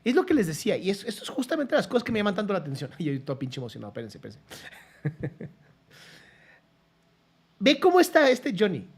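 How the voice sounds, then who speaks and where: A man with a Mexican accent comments casually, with a slightly high voice and a lot of energy. He talks frankly and colloquially, and he swears from time to time. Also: racing, vocal fry, husky. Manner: animated, mimics voices when quoting. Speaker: psychologist reacting to trial footage.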